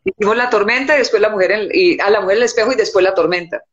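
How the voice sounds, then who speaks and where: A woman, answering calmly as a guest on a live video chat from home. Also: mid-range voice, racing, highs cut off, slight background noise. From born in the United States, raised in Colombia. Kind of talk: casual live-stream chat. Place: indoor room at home.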